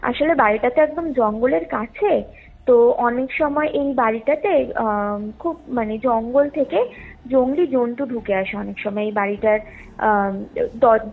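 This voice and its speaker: A woman voicing a worried, probing female neighbour in a ghost story, questioning and halting. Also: on the high side, breathy edge. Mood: uneasy, halting. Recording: muffled lo-fi call with music underneath.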